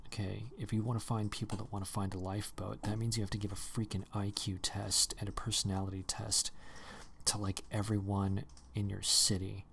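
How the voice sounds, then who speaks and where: Casual male stream host, low gravelly voice, rambling delivery. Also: flat delivery, brisk, a bit bright, slight background noise. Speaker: livestream host. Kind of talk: casual chat.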